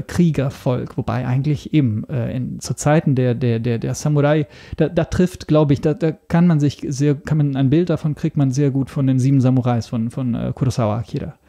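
A man speaking as a podcast guest in a casual interview, explaining things haltingly as he searches for words. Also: medium pitch, gravelly, warm tone.

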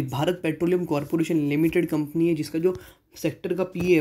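A man narrates a stock analysis as the host of a market channel, reading ratios and prices off the slides. His tone is very dark and mellow, sitting a little high in pitch for a man. He mixes English terms into Hindi and now and then corrects himself mid-sentence.

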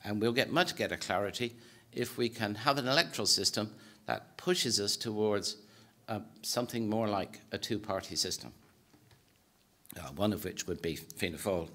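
A low-voiced Irish man in his sixties lectures from a podium in a conference hall. He speaks in a measured, hesitant way, full of "uh" and restarts as he works through his points. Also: pushed and bright. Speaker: political science professor giving a presentation. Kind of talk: formal lecture talk. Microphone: podium microphone.

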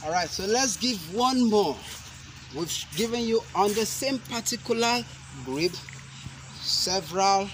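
A young man demonstrating self-defense moves, explaining each step slowly and deliberately, with sharp shouted cries on the strikes. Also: high-pitched, expressive, poor audio. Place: outdoor concrete court. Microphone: camera mic at a distance. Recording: outdoor noise from a camera mic.

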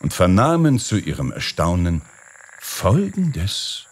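A man reading a fairy tale aloud as an audiobook narrator, with expressive storytelling. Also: sits low, slow, a little hiss or hum.

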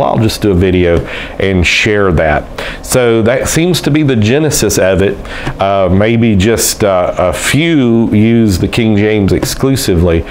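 Low-voiced pastor talking to camera. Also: male voice, a little hiss or hum. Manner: conversational, unhurried, pauses with frequent uh fillers. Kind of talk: casual teaching video reading quotes aloud. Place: small indoor room by a window with blinds, seated at a desk. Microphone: fixed camera in front of the desk.

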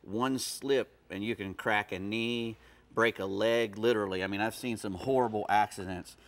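A man's voice: fairly low pitch, fairly even intonation, moderate pace. Middle-aged man rambling about fishing. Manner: rambling, restarts, folksy fishing talk. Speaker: fishing guest expert. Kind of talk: casual studio chat. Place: TV studio set.

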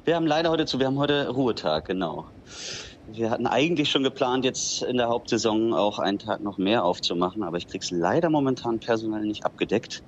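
A man in his thirties from Berlin, raised in northern Germany, talking as a guest in a relaxed interview, often filling with small agreeing words. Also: medium pitch, fairly quick, highs cut off, slight background noise. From Berlin-Spandau, raised in Dithmarschen. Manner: relaxed, fills with "genau" and "ähm". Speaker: interview guest, bistro owner. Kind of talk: casual interview.

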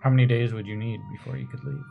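A man's voice: mid-range voice, fairly even intonation, quick pace, vocal fry, phone-quality sound, soft background music, lightly acted. A man playing a cautious, polite adventurer with formal wording in a tabletop game.

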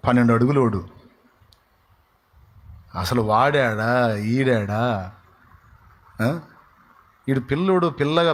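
Emphatic man preaching a sermon. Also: medium pitch. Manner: emphatic, rhetorical questions, dramatic. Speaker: pastor.

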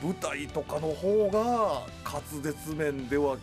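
Lively high-voiced man hosting radio. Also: slow pace, music in the background. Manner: lively, jokey, laughs often. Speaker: radio show MC. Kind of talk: playful radio studio chat. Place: radio studio booth. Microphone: boom studio mic.

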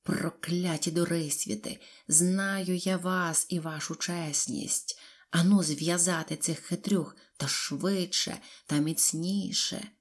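A woman voicing a brutal, red-faced male officer with a rough voice, who gives slow, menacing orders in an audiobook. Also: a little high, fairly even intonation.

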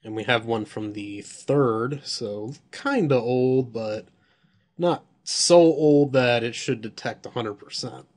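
Man, slightly hoarse from losing his voice, unhurried offhand delivery, thinks aloud and swears at surprises while reviewing software. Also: mid-range voice. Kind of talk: casual screen-recorded software review.

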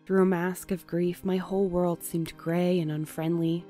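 A woman playing a gentle, hesitant, romantic young courier in an audio drama, thoughtful and a little awkward. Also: fairly low pitch, flat delivery, normal speed, soft background music, natural voice. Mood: awkward, tender.

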